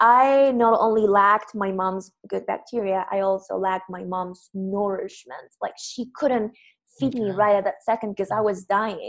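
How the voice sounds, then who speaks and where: Here a woman speaks with a Peruvian accent. Her pace is moderate and her pitch variation ordinary. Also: medium pitch for a woman. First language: Spanish. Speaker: health coach. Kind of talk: interview.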